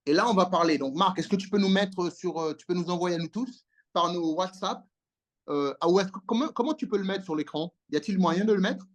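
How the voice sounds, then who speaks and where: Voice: medium pitch, a little fast. A preacher delivering an impassioned sermon over a video call, calling out for amens and responses.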